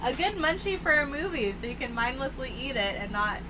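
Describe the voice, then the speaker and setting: A woman with an American accent talks at a moderate pace, her high voice making very wide pitch swings. Audible room echo and noticeable background noise are present. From Texas, Fort Worth. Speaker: co-host of a movie review show, acting student. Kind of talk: casual chat.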